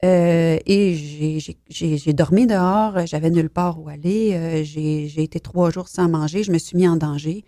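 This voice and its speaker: A woman from Belgium telling her life story as an interview guest, soft-spoken and hesitant, sometimes dropping almost to a whisper. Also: low voice, steady tone, normal speed, few pauses, no room sound, studio quality. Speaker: author guest. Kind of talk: personal testimony in an interview.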